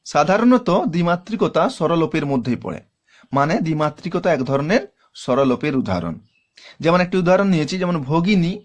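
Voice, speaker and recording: A man with a Bengali accent gives a grammar lesson in a slightly raised pitch. He explains each rule twice and breaks example words into their syllables with patient care. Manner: patient, repeats definitions and spells out syllables. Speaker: grammar teacher.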